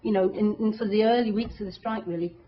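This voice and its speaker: A woman activist speaks earnestly and emphatically to an audience at a public meeting, often restarting her phrases. Her pitch sits in the middle range. The recording is dull and lo-fi. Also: steady tone, fast. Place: meeting hall.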